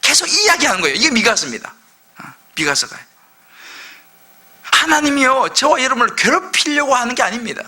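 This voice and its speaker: A male senior pastor preaching a lively sermon, acting out quoted voices and leading his congregation in reading aloud. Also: very high-pitched, fairly quick, long pauses, husky. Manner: animated, acts out quoted voices of people and children.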